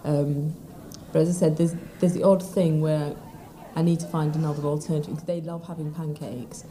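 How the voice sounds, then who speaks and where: A woman's voice: sits low, steady tone, moderate pace, dark tone, slight background noise. A mother answering interview questions thoughtfully, with frequent ums and light laughs.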